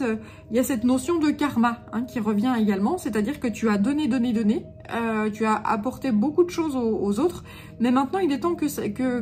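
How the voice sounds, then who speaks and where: Woman, Jura accent, fairly high voice, halting speech full of fillers, faint music behind. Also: darkish tone. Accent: Jura French. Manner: hesitant, many fillers and restarts; self-mocking humor. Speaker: spiritual channeler. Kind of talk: unscripted channeled guidance reading.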